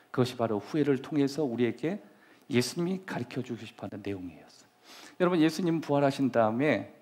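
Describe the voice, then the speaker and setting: Middle-aged male pastor, church sermon, animated delivery with sudden whispers, mid-range voice. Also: mid-range voice. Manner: animated preaching, acts out scenes, shifts to soft whispers. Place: church sanctuary.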